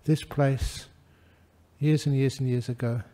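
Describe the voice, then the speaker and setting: An older man gives an unhurried Buddhist talk with gentle humor. His voice sits at an everyday pitch but sounds deeply dark and mellow. His delivery is warm in pace and easygoing. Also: fairly even intonation. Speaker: Buddhist monk giving a dharma talk. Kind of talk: relaxed dharma talk with anecdotes.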